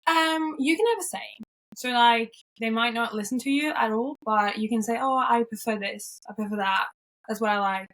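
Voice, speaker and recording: A woman's voice: on the high side, normal speed, a bit bright, rough recording. A young woman from Norway, cheerful and upbeat, chatting casually as an interview guest, with frequent yeahs and ums.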